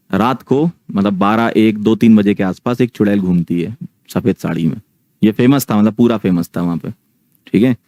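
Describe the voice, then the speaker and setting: A man's voice: fairly low pitch, mellow, no room sound. A man in his thirties telling a ghost story casually to a live online audience, often checking in with his listeners. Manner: chatty, keeps checking in with the listeners.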